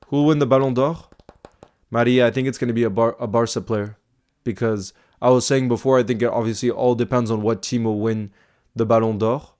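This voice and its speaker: A man's voice: mid-range voice, steady tone, fairly quick, a little mellow. Chatty man hosting a football live stream. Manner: chatty, thinks aloud with restarts and filler asides. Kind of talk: casual live-stream chat reading viewer comments.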